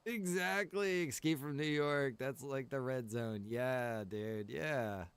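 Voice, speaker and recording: A man with a clear, resonant, mid-range voice talks slowly as he livestreams a survival roleplay game. The chat is casual, full of relaxed jokes and regular laughter.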